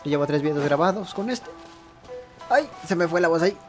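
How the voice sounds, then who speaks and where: A man's voice: a little high, animated, fast. A man with a Mexican accent hosting a gaming video in casual, informal, self-deprecating chat. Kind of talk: casual let's-play chat. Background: game music.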